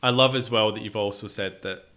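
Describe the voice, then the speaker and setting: A man's voice: fairly low pitch, fairly even intonation, a little fast, background noise. A man co-hosting a podcast in casual, chatty conversation. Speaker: podcast co-host. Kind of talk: casual music chat.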